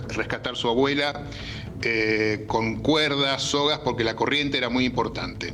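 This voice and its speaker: A man with a medium pitch talks at a moderate pace with fairly even intonation, over noticeable background noise and audible room echo. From Argentina, Bahía Blanca. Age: 60s. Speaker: flood volunteer. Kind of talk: live news interview testimony.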